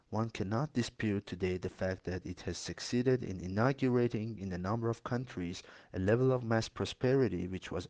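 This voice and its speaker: A man's voice: on the low side, a little mellow, no room sound. A man reading scripted academic passages aloud with careful, formal delivery. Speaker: exam practice reader.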